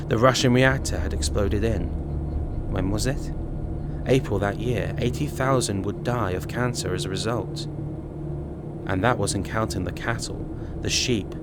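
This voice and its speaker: A man's voice: lowish voice, very noisy. A man reading a dramatic audiobook as narrator, in scripted storytelling style.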